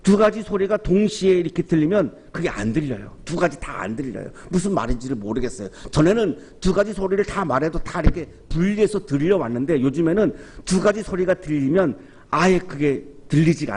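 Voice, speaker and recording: A man in his fifties preaching a Sunday sermon in a church, telling a story and acting out quiet whispered lines and loud calls. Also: a little high, slightly rough. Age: 50s. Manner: storytelling with soft acted quotes and sudden raised exclamations. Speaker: pastor. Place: church sanctuary.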